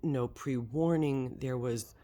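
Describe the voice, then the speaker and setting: Slow, blubbering man, choked with tears. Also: mid-range voice, dark tone, slight background noise. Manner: halting, broken delivery. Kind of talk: personal account to camera.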